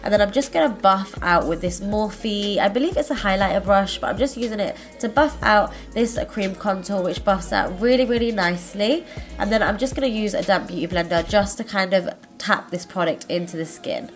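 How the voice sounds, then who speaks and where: A woman's voice: mid-range voice, moderate pace, soft background music. A woman with a blocked nose from a cold, hosting a makeup tutorial in a chatty, friendly way and sometimes correcting herself as she goes. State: congested, stuffy-nosed from a cold. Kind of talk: casual step-by-step tutorial narration.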